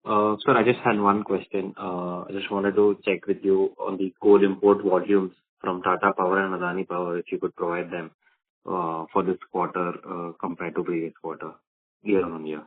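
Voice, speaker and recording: A man's voice: low-pitched, flat delivery, moderate pace. A male analyst asking questions politely and hesitantly on an earnings call. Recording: thin phone line.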